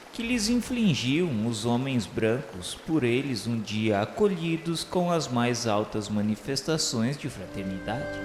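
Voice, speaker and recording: Male narrator, for a historical radio drama: solemn, measured, declamatory read, heavy echo over a music bed. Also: medium pitch. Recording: reverberant echoey hall sound with music.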